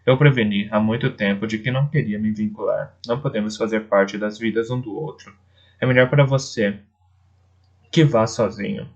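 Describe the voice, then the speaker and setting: A man narrating an audiobook in the first person, with a steady, earnest reading. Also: lowish voice, moderate pace. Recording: dull lo-fi recording.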